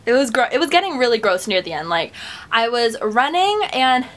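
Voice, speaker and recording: A young woman with a slightly high voice talks close to her webcam in a small bedroom, sounding a little stuffed up after a run. She rambles along in a bubbly, encouraging way. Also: big pitch swings, normal speed, fairly bright tone. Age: young adult. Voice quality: stuffy nose. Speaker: vlogger. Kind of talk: casual motivational chat to camera.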